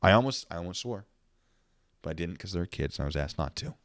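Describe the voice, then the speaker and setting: A man's voice: deep voice, lively intonation, fast, fairly bright tone, dry recording, studio quality. A man giving casual, off-the-cuff commentary on a livestream, often amused and speaking to his chat. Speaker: livestream commentator reacting to court footage; former interrogator and investigator.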